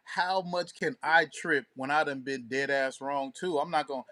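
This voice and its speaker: Speaking at normal speed with a voice a little on the high side, this radio co-host keeps things casual. His talk is animated, full of slang, swearing, banter, and storytelling.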